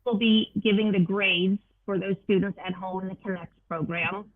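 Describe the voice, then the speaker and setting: A man's voice: high voice, steady tone. A man reading out parent questions as moderator on a video call, his voice cutting in and out over a bad connection. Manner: reads questions haltingly in broken fragments. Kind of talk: online community meeting Q&A. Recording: tinny phone-like call line.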